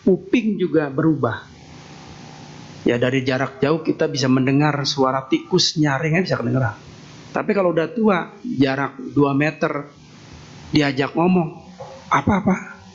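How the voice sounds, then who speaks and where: Folksy monk preaching in a lo-fi hall. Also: male voice, a little high. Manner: folksy, jokey, tags nearly every phrase with "ya". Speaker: Buddhist monk giving a Dharma talk. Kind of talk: sermon. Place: temple hall. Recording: dull lo-fi sound with faint noise.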